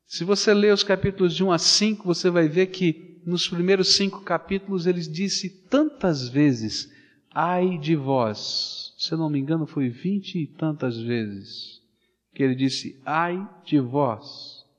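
A man with a Brazilian Portuguese accent preaching a sermon, swinging from loud animated storytelling to hushed, slow pleading. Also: fairly high pitch. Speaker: pastor. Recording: dull sound with long hall reverb.

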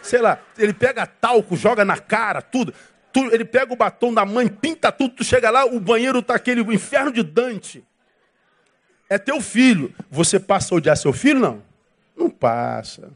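A male pastor with a Brazilian Portuguese accent, preaching a sermon in a lively way and acting out quoted voices with humor. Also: very high-pitched, normal speed.

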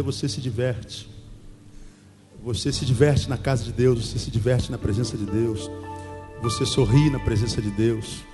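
A middle-aged man preaching a sermon, lively and humorous, mimicking the people he talks about. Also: mid-range voice, long reverb tail. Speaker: pastor.

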